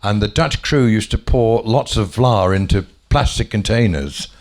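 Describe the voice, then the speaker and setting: A man's voice: on the low side, unhurried. An older man being interviewed, reminiscing casually with frequent chuckles, hesitations and restarts. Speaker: former offshore radio DJ, guest.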